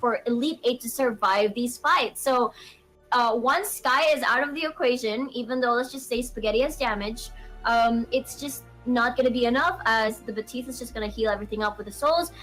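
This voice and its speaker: A woman's voice: fairly high pitch, normal speed, a bit bright, faint music behind, rough recording. A woman giving analytical color commentary on an esports match, explaining the strategy.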